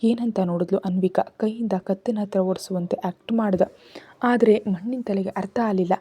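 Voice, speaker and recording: A woman's voice: mid-range voice, steady tone, normal speed, warm tone, husky. A woman reading a romantic family story aloud as a storyteller, voicing the characters' lines in her own narrating voice.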